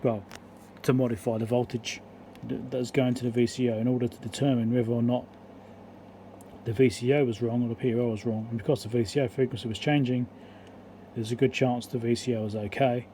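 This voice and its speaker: A man with a soft-edged, mellow voice talks through technical details in a casual, matter-of-fact way. He rambles a little as he thinks aloud, with faint noise behind him. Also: medium pitch, flat delivery, a little fast. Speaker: electronics repair host.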